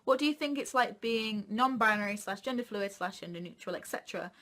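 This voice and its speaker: A woman's voice: mid-range voice, animated, a little fast, fairly bright tone. A young adult woman co-hosting a casual question-and-answer chat, blunt and jokey, swearing freely. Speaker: co-host.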